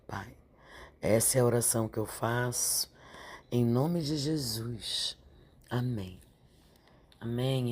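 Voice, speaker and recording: A woman, stuffy and nasal from a sore throat, leading a slow, gentle Bible meditation and prayer. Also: a bass voice, husky. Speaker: Bible devotional teacher.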